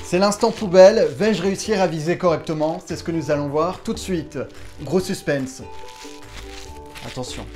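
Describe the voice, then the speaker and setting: A man's voice: on the high side, moderate pace, long pauses, soft background music. A man hosting a casual unboxing vlog, talking to viewers in a playful, self-mocking way from a room at home. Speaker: YouTube host testing gadgets.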